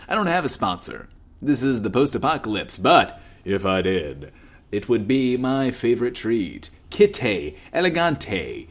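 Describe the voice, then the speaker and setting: An actor playing a self-absorbed post-apocalyptic radio host in a comedy, with showy, sardonic, mock-boastful patter. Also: male voice, medium pitch, exaggerated voice. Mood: smug, wry. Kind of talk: comedic audio drama radio DJ acting.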